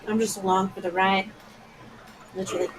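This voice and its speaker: A woman's voice: medium pitch, little pitch movement, brisk, a little hiss or hum, low-quality recording. A woman playing in a tabletop game, describing her character playfully. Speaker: player. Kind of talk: casual chat.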